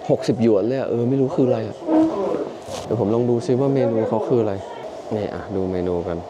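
A Thai man talking casually to camera in a travel vlog, chatty and quick to exclaim and laugh, filmed in a small noodle shop and on a road through the mountains. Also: mid-range voice, dull audio, very noisy. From Thailand. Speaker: travel vlogger.

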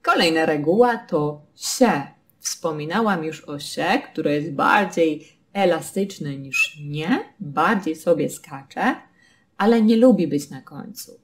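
Woman, language teacher, patient explainer, lowish pitch, slow delivery. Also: animated. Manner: patient, explains rules with spoken examples.

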